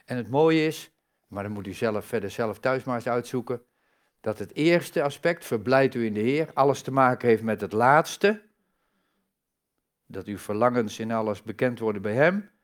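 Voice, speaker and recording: A man's voice: mid-range voice, expressive, normal speed. A man giving a sermon in a conversational way, asking the congregation rhetorical questions and stressing key words. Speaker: preacher.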